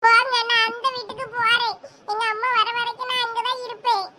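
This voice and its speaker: A woman voicing a small, touchy girl, sulky and quick to cry, in an animated comedy. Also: slight background noise. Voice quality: high bright childish voice. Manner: pleading, sulky.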